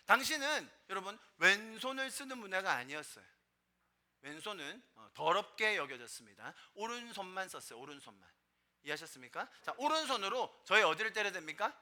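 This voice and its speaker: A man's voice: sits high, expressive, a little fast, sharp tone. A man preaching as a pastor, asking the congregation questions and quoting scripture with emphasis. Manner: interactive, asks the congregation questions; quotes scripture in a rising, emphatic voice. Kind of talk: sermon. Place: church sanctuary with a stage.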